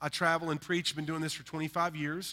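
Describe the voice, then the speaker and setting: A man talks in an animated tone on a very clean recording with a silent background. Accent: Southern US. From US Deep South. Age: 40s. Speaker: visiting preacher. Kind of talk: sermon. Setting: church. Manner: animated, humorous.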